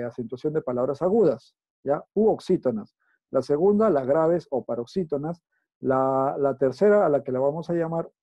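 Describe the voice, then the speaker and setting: A man's voice: a little high, dark tone, no room sound. A male teacher with a Peruvian accent, giving a recorded class and explaining step by step, often checking that students follow. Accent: Peruvian Spanish. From Peru. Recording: dull lo-fi recording.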